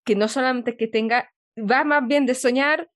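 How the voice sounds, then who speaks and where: A woman's voice: on the high side, moderate pace, fairly bright tone, dry recording. A woman hosts a casual podcast interview, thinking aloud as she talks. She halts and restarts often, and her voice is recorded close and dry. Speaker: podcast host.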